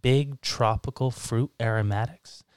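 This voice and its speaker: A man in his thirties from Massachusetts co-hosts a relaxed podcast over beers. His voice is smooth and resonant, recorded close and dry with no room sound. He jokes, teases and laughs easily. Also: mid-range voice, unhurried, dry recording. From Massachusetts, USA. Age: 30s. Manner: joking, teasing, laughs often. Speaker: podcast co-host. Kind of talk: casual chat over beers.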